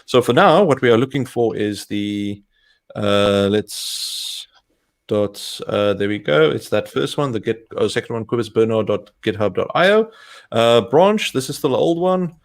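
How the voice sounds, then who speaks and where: A young man with a South African accent, co-hosting a tech stream and talking through a live coding demo step by step in a relaxed way. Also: mid-range voice, measured pace. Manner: talks through steps as he clicks, relaxed. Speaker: co-host, developer advocate.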